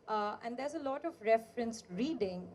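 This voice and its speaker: A woman moderating a book launch, retelling the author's story in a brisk way with fillers. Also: on the high side, animated, darkish tone. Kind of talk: summarizing the book for an audience.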